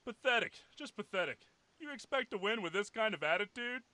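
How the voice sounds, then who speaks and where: A man's voice: high voice, lively intonation, fairly quick, pushed and bright, no echo, full character voice. A man playing a stern, preachy old-timer drill sergeant in a comedy cartoon, commanding and old-fashioned. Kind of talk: animated comedy military bark.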